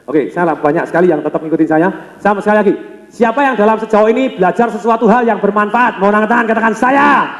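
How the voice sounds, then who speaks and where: An energetic Indonesian man leads a sales seminar with a high, fast-moving voice, often calling on the audience to answer him. He sounds like he is in a large hall, with a long echo that hangs after each phrase. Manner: energetic, calls on the audience for responses; acts out customer dialogues. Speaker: sales trainer. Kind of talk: motivational seminar lecture. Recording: echoey hall reverb.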